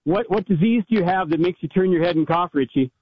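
A man's voice: high-pitched, quick pace. Man who keeps cutting in, "wait a minute". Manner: talks over others, repeats "wait a minute". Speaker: talk show host. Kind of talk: casual banter on a talk show. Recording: dull lo-fi sound.

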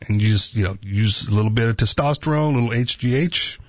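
A man's voice: fairly low pitch, fast talker, no echo, highs cut off. A man co-hosting a talk radio show, talking casually, teasing, and checking in with "right?". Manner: conversational, teasing, asks "right?" a lot.

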